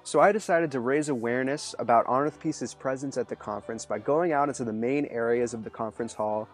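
A man narrating a scripted report about a faith-based justice conference. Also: mid-range voice. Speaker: video host and interviewer.

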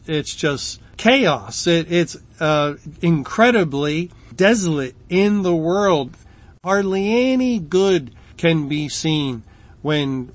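A middle-aged man teaching through Bible verses in an unhurried, halting way, often restarting words and pausing with fillers. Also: fairly high pitch. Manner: slow, halting delivery with frequent restarts and fillers.

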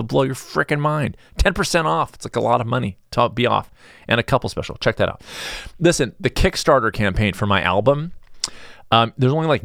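A man's voice: mid-range voice, vocal fry, a bit bright, dry recording, studio quality. A man hosting a solo podcast, talking in a sarcastic, exasperated, rambling way. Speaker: podcast host. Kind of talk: casual solo podcast rant.

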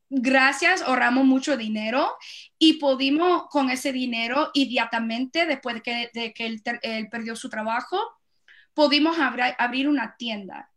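A middle-aged woman as an interview guest, telling a personal story haltingly with many fillers and restarts. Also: high-pitched, pushed and bright. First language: Spanish, Portuguese spoken at home.

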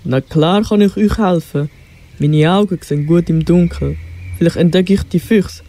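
A kind owl in a student radio play, voiced by a young student, calm and friendly. The voice is high and dark in tone. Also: male voice, moderate pace, close to an everyday voice.

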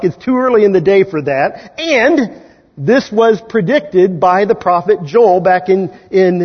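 A male pastor from Kansas preaching an Easter sermon in a conversational way, often checking in with listeners with a quick "right?". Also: high voice, breathy edge, in a large hall, highs cut off. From Kansas, USA. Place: large church sanctuary.

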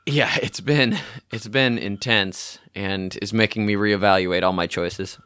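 A man's voice: fairly low pitch, a little slow, a bit bright, clean tone, no room sound, clean studio sound. A man co-hosting a podcast in casual chat, bantering and self-deprecating. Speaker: podcast co-host.

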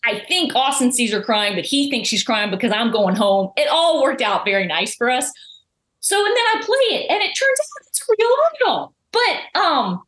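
Give me an animated woman in an interview, high and bouncy voice. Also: moderate pace, reverberant, rough recording. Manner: animated storyteller, acts out quoted dialogue. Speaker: eliminated contestant guest. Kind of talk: casual exit interview.

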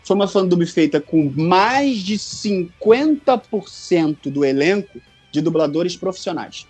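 A man with a Rio de Janeiro Brazilian accent, telling stories emphatically in a casual podcast chat, repeating phrases for effect, his voice slightly husky. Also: sits high, expressive, unhurried, darkish tone, dry recording, faint music behind. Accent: Rio de Janeiro Brazilian Portuguese. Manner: emphatic storyteller, repeats phrases and quotes others. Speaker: podcast guest, fan dubbing director and audio mixer.

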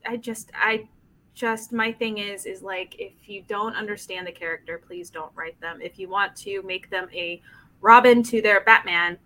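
A woman's voice: mid-range voice, normal speed, bright, forceful tone, rough recording. A woman co-hosting a casual comics podcast, tired and emotionally drained, candid and frank, often trailing off. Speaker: podcast co-host. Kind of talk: casual live-streamed comics podcast chat.

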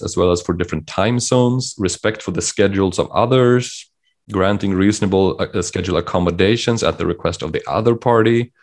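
A man co-host in a casual panel discussion, speaking in a low, gravelly voice. He explains carefully and reads out passages of text in a measured, steady way. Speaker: podcast co-host.

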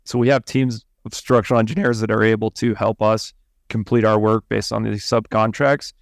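A man's voice: lowish voice, dry recording, studio quality. A man from Colorado, an engineering firm CEO, answering interview questions casually with "kinda" and "like".

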